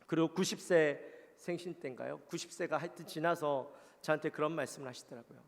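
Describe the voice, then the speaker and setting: Gravelly Gyeongsang-accented pastor preaching. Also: male voice, a little high, a little fast. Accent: Gyeongsang Korean. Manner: earnest, conversational preaching with questions to the congregation. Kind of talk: sermon. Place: church sanctuary. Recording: long church-hall reverb.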